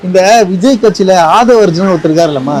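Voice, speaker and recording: A man's voice: sits high, expressive, fast, a little mellow, a little hiss or hum. A man interviewing people outdoors, asking leading questions and echoing their answers. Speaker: street interviewer. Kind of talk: street interview. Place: outdoors on a street.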